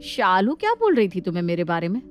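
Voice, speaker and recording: Brief: woman playing a haughty elder daughter-in-law, snide and lively in pitch. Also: fast talker, faint music behind. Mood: scornful. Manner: snide, self-righteous. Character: scheming elder daughter-in-law, proud and jealous.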